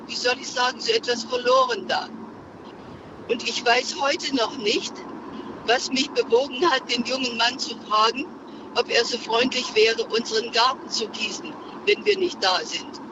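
An older woman calling a radio show from her car, telling a story earnestly with many hesitations. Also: on the high side. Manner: earnest, searching for words with many fillers. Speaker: caller. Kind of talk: phone-in storytelling. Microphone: phone. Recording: muffled phone line with car noise.

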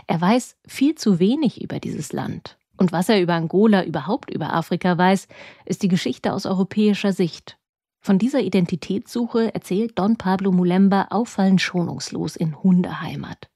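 Mellow-voiced woman reading a book review. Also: medium pitch, moderate pace, husky, no echo, clean studio sound. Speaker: radio culture reporter. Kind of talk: scripted radio book review.

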